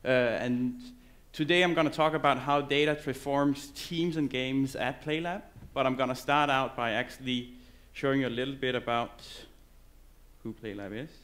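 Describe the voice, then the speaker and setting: Male conference speaker, English, loose and halting on stage. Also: medium pitch, fairly even intonation, fairly bright tone. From Denmark. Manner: loose, halting delivery with many fillers and restarts. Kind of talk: conference presentation.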